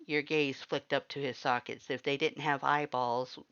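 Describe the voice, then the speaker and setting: A woman's voice: extremely low pitch, steady tone, moderate pace, fairly bright tone, smooth, highs cut off. A woman reading fan fiction aloud as scripted story narration.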